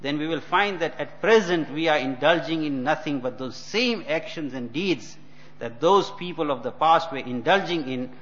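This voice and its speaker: A man giving an admonishing Muslim religious lecture, phrasing deliberately and repeating his points. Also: on the high side, animated, fairly bright tone. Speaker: Muslim preacher. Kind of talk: religious lecture explaining a text. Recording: dull lo-fi audio, faint noise.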